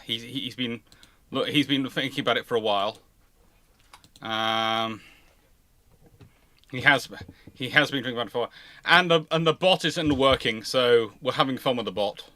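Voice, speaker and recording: A man's voice: mid-range voice, sharp tone, dry recording. A man hosting a livestream in casual chat, rambling and repeating himself as he goes. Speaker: livestream host.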